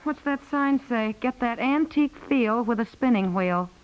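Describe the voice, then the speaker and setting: Excitable 1950s radio wife played by a woman, muffled. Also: fairly high pitch, moderate pace, smooth, natural voice. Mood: placating. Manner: chatty, placating, fussing gently. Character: excitable, soothing wife and mother in a married couple. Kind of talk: 1950s radio comedy acting.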